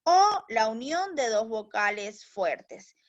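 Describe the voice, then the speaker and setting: A high-voiced woman teacher talks slowly and patiently, explaining each step to young pupils and pausing to check that they are following. The recording is slightly dull and lo-fi. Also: big pitch swings. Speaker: primary school teacher. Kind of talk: recorded language lesson for children.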